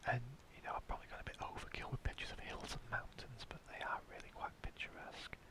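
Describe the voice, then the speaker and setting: The speaker whispers at a very fast pace. Noticeable background noise can be heard. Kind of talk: ASMR travel voiceover. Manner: whispered.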